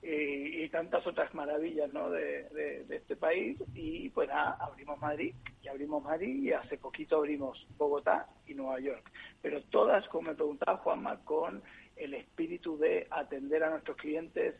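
Gravelly man on a phone line. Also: a little high, normal speed, slight background noise. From Chile. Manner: thoughtful, many hesitations and restarts. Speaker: agency partner, guest. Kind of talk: conversational podcast interview. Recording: tinny phone-line sound.

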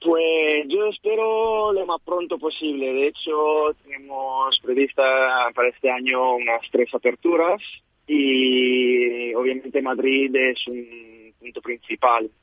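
A man's voice: medium pitch, fairly even intonation, a little slow, no echo. Italian man on a tinny phone line. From Italy. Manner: hesitant, many fillers, laughs easily. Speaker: restaurant co-founder guest. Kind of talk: casual interview by phone.

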